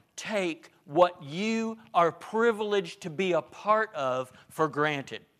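Someone with a Southern US accent speaks at a very slow pace on a very clean recording with a silent background. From Northeast Arkansas. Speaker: preacher. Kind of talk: sermon.

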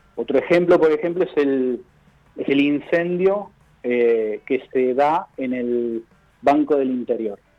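Fairly high in pitch, a man speaks at a very slow pace with ordinary pitch variation. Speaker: comic book author. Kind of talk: interview.

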